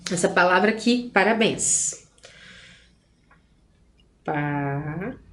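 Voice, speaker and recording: A Brazilian woman teaches grammar in a relaxed, chatty way, checking in with her students through constant little asides. She slows down to stress syllables. Her voice sits at a medium pitch, and the recording has a roomy echo. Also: slight background noise. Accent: Brazilian Portuguese. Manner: chatty, frequent "né?" and "gente" asides. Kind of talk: online grammar lesson.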